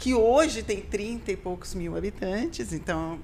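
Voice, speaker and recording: Audible room echo follows a woman as she speaks fairly slowly. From São Paulo state, born in Bahia. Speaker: physician. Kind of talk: casual chat.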